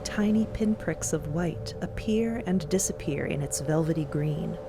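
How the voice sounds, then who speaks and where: A woman tells a scripted story in a measured, descriptive manner. Her voice is on the low side, with loud ambient sound running behind it. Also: background noise. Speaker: narrator.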